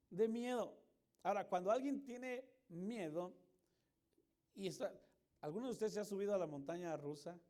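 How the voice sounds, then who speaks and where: A male pastor giving a lively sermon in a church, joking with the congregation and acting out scenes. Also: high-pitched. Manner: animated, jokes with the congregation, acts out voices and screams. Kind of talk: lively sermon with acted-out anecdotes.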